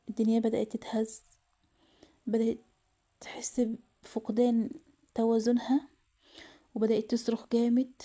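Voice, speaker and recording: A woman's voice: fairly high pitch, mellow. A woman with an Egyptian accent narrating a moral family story, emotional and often half-whispered. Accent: Egyptian Arabic.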